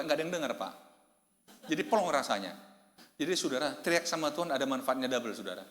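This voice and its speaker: Male pastor, bright sermon voice, echoey church hall. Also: mid-range voice. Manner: storytelling preacher, addresses congregation as "saudara", animated shouts and laughs.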